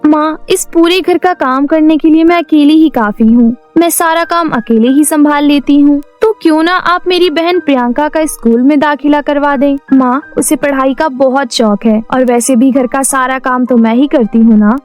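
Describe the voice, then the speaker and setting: A woman's voice: sits high, moderate pace, few pauses, soft background music, natural voice. Woman voicing a meek pleading cartoon girl. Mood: earnest. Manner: gentle, pleading. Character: meek hardworking stepdaughter, young girl. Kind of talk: cartoon voice acting.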